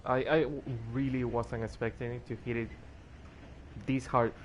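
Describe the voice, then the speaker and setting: A man's voice: mid-range voice, flat delivery, moderate pace, muffled recording, a little hiss or hum. A tired man streaming a game, losing his voice and rambling as he plays, with faint music behind him. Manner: rambling, restarts when moved. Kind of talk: casual gameplay commentary.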